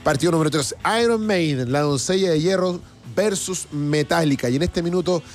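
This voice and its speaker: A Chilean man hosting a casual radio music show, talking with enthusiasm and halting restarts. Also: on the high side. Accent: Chilean Spanish. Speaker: radio host. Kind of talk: casual radio chat reading listener comments.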